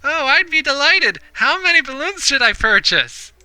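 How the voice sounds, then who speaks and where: A man putting on a prim, high-pitched mermaid princess. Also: sing-song, moderate pace, sharp tone, no echo, exaggerated voice, rough recording. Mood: prim, eager. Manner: formal, overly polite and naive. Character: prim, proper young mermaid princess woman.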